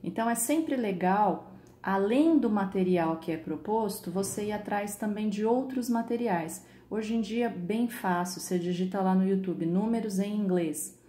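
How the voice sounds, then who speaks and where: A woman's voice: medium pitch, normal speed, dark tone. A woman with a Brazilian Portuguese accent teaching a recorded online English class, patient and checking in often with her students. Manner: patient, repeats "tá?" and "tá bom?" to check in. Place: home with computer. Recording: echoey room, faint background noise.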